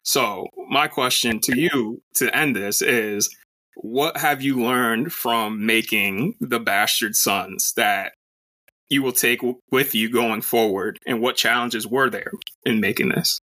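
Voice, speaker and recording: A man co-hosting a podcast puts a loose closing question to his guest, with a few "uh" fillers along the way. His tone is bright and forceful, at a middle pitch. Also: slow, rough recording. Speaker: podcast co-host. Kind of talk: casual interview question.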